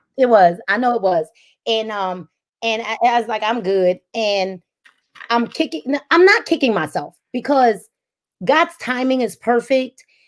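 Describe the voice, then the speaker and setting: A woman has an unremarkable speaking voice with a fairly high pitch. She talks at a fairly slow pace with lively intonation. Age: 40s. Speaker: business guest. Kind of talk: interview. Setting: call.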